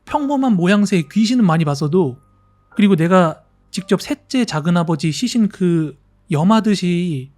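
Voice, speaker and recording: A man narrating a horror story in a relaxed, conversational first-person way. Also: sits high, moderate pace. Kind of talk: calm spoken horror storytelling.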